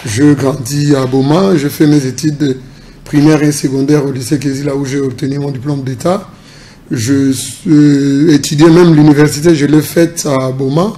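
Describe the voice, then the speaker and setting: A middle-aged man with a Congolese French accent speaks in a formal, measured way, as a political analyst and businessman would. His pitch sits a little high, but his tone stays mellow and dark. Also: steady tone. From Congo Central, DR Congo. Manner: measured, formal, mixes in Lingala. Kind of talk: interview.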